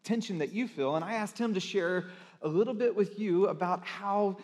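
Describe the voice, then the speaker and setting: Male pastor, high-pitched, friendly welcome, reverberant church hall. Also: normal speed, darkish tone. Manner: upbeat and friendly, addressing the congregation. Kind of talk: sermon introduction. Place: church sanctuary.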